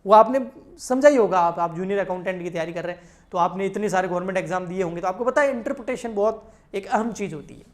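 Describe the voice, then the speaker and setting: A woman teacher delivers a recorded exam-prep accountancy lecture. She walks through each point patiently, keeps checking that her students are following, and speaks to them in a familiar, homely way. Her voice sits at an ordinary middle pitch for a woman. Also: fast talker.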